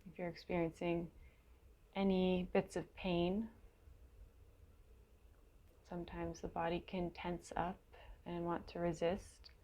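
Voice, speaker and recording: A woman leading a guided meditation in a gentle, unhurried way, leaving long pauses between short phrases, with a creaky voice. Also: fairly low pitch, level tone. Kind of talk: guided meditation, slow and soothing.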